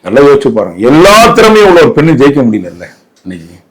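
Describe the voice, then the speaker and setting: A man's voice: medium pitch, huge pitch swings, quick pace, husky. A man with a Tamil Nadu accent giving opinionated interview commentary in an emphatic, indignant way, often posing rhetorical questions.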